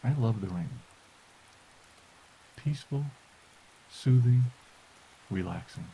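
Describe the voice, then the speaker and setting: A man softly and slowly guiding a meditation as podcast host, in a soothing delivery. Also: lowish voice, animated, creaky, muffled recording. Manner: soft, slow, soothing delivery. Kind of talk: guided meditation. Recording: hiss and rain noise. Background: rain.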